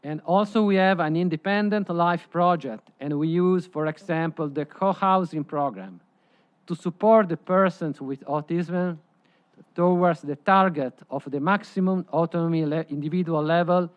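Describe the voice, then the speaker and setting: A man whose first language is Italian gives a prepared presentation at a conference, in slightly halting phrasing. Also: a little high, smooth. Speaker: presenter at a conference side event.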